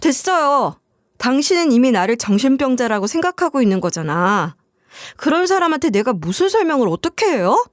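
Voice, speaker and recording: A defensive young wife answers back in a plaintive way, as a woman narrator puts her on. The voice is high and moves a lot in pitch. The recording is close and dry. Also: very animated, fairly quick, no room sound. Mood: hurt.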